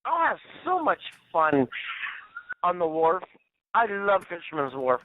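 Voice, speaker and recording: A man leaving a rambling voicemail over the telephone, talking in a halting, repetitive, drawn-out way. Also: sits high, wildly swooping pitch. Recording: tinny phone-line voicemail.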